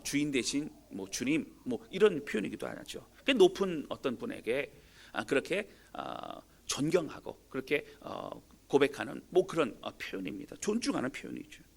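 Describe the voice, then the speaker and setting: Male pastor, gravelly and animated, swings loud and soft while preaching. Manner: preaching with dramatic swings in pitch and volume; leads congregation in reading scripture aloud. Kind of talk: sermon.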